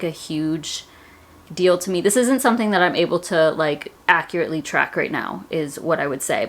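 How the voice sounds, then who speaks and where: A woman, chatting casually to her viewers about her personal finance goals, rambling with lots of "like"s. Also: fairly low pitch. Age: 30s. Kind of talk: casual chat to camera.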